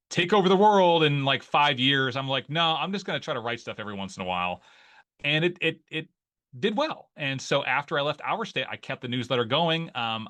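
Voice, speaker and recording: A man's voice: mid-range voice, bright, forceful tone. A man in his forties from Northeast Ohio with an Ohio accent, talking as a guest in a casual interview and rambling with many fillers and restarts. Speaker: guest, newsletter writer.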